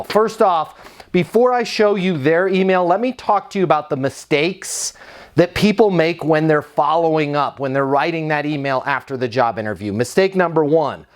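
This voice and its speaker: Man, sales trainer, emphatic coaching delivery, energetic, direct to camera. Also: a little high. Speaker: sales trainer and company founder. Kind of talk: direct-to-camera advice video.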